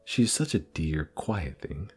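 A man's voice: rumbling low, expressive, takes it slowly, a little mellow, slightly rough, faint music behind, heavily acted. A man voicing a curious, polite young girl who chatters earnestly. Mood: soothing.

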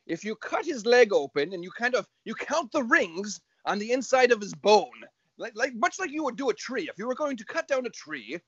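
A man playing a cheery undead skeleton, rambling eagerly and excitably over dull lo-fi sound. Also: very high voice, a little fast, breathy edge, no room sound, full character voice. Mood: chatty, cheerful. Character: cheery talking skeleton, undead guest storyteller. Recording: dull lo-fi sound with music behind.

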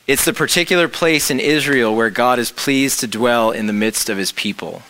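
A man's voice: mid-range voice, moderate pace, bright, forceful tone, poor audio. A man preaching a reflective sermon, explaining scripture with rhetorical questions.

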